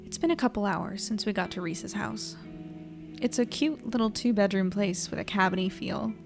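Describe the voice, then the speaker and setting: Woman playing a gravelly-edged, reflective young traveler. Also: medium pitch, close to an everyday voice. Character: curious, considerate young woman narrating her travels. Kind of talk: first-person audio drama narration and dialogue.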